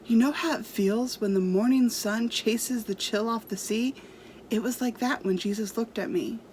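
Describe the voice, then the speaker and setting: Woman voicing an eager ten-year-old boy, high-pitched. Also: moderate pace, a little hiss or hum, natural voice, rough recording. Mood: awed, wistful. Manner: excited, questioning.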